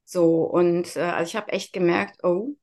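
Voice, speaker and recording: A woman in her fifties from near Cologne, telling her personal story openly as a podcast guest, with frequent pauses. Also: on the low side, steady tone, darkish tone. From Germany, near Cologne. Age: 50s. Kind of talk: casual interview chat.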